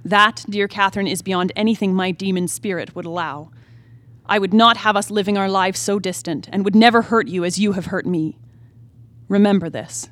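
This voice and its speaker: A woman performing a brooding young married woman in a stage play reading, with formal literary diction and dramatic pauses. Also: medium pitch, a bit bright, close to an everyday voice. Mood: reading bitter letter. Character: brooding young married woman haunted by her family's past. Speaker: actor. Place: theatre stage, live reading.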